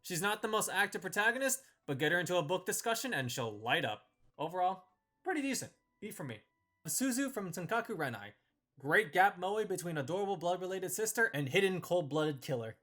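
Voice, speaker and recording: A man's voice: high-pitched, sing-song, a little fast, sharp tone. A man hosting a video, giving scripted review commentary as he ranks characters in a tier list.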